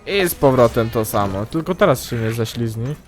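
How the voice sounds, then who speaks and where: A young man commentating his own gameplay, excitable and yelping loudly whenever something goes wrong. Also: mid-range voice, normal speed, soft background music. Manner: excitable, yelps and shrieks at mishaps. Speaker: gaming YouTuber. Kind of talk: let's play commentary.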